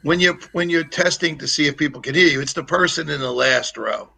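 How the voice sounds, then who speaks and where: Bright, gravelly man coaching speakers. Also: on the high side, fairly quick. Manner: practical, explanatory, jokes easily. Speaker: public speaking trainer. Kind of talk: casual coaching advice on a livestream. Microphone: lapel mic on a video call.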